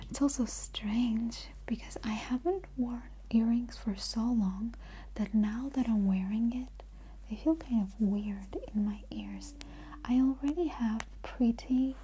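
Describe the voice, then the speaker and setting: Soft-spoken and very slow, a woman talks over light background noise. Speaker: video creator. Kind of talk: casual soft-spoken vlog chat, ASMR-like. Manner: soft, intimate ASMR talk. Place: home room. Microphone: lapel.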